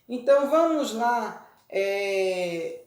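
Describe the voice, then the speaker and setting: A woman's voice: mid-range voice, lively intonation, very slow, darkish tone. A woman teacher giving a recorded lesson, explaining rules patiently and often checking that her students follow. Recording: roomy echo.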